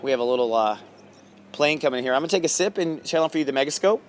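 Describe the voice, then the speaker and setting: A man's voice: fairly high pitch, lively intonation, quick pace, a little hiss or hum. A man hosting his own astrology show, telling a rambling personal story with many fillers and restarts. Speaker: astrology host and psychic reader. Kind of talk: casual storytelling monologue. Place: outdoors, plane heard overhead.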